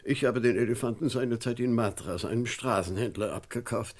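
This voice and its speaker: A man's voice: medium pitch, brisk, darkish tone, lightly acted. An actor playing a fussy, absent-minded male professor who rambles when flustered, in a radio play.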